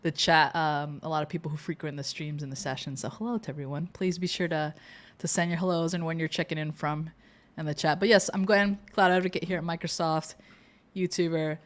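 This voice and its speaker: A woman co-hosting a tech livestream, her voice very low for a woman because she is still a bit sick. She greets people in a friendly, chatty way. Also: steady tone, a little fast. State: a little sick, voice lower than usual. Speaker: cloud advocate co-presenter.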